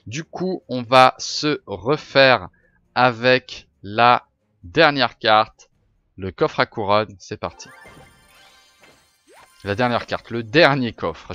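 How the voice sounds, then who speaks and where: Excitable, bright-voiced streamer man. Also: lowish voice, no echo, lo-fi sound. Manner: excitable, swears, talks to chat. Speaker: gaming streamer. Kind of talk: casual game commentary.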